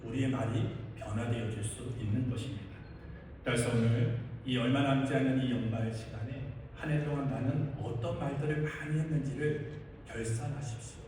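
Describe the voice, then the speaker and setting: A man's voice: mid-range voice, fairly even intonation, normal speed, a little mellow. A male pastor preaching a sermon to his congregation, often putting questions to them and answering them himself. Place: large church sanctuary. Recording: echoey hall, distant mic, faint noise.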